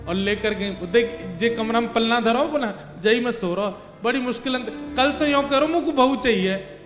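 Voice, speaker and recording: A man's voice: very high voice, moderate pace. Man voicing a pleading old blind mother. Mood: scolding. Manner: scolding, pleading in village dialect. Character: very old blind mother searching for her son. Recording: echoey hall with faint music.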